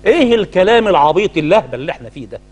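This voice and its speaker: Middle-aged Egyptian male cleric, talk-show co-host; high-pitched, rapid, indignant delivery. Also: big pitch swings, a little mellow, slightly rough. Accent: Egyptian Arabic. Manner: indignant, hammering rhetorical questions. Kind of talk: heated studio talk-show commentary.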